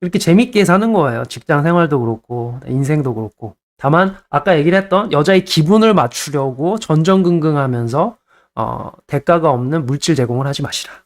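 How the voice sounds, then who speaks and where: A young man talks quickly and casually through dating advice, slipping into little acted scenes with dialogue. His voice sits a touch high, and he rattles along at a brisk clip. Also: expressive. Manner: chatty, playfully acts out little scenes with dialogue.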